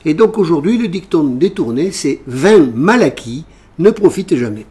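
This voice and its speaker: A man's voice: on the high side, very animated, normal speed, dark tone. An older man hosting a wine interview in a jovial, teasing way, steering the guest back on track. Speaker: host. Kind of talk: radio-style interview hosting.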